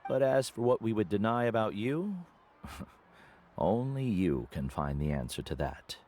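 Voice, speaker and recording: An actor playing a calm, wise older tribal mentor in a video game, speaking in a measured, gentle, instructive way. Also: male voice, lowish voice. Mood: teasing. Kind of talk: game voice acting.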